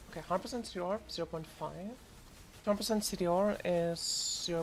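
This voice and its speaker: Noticeable background noise runs behind a woman speaking at a fairly slow pace, her medium pitch showing ordinary pitch variation. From South Africa. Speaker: game streamer. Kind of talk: casual chat. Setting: live stream. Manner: halting.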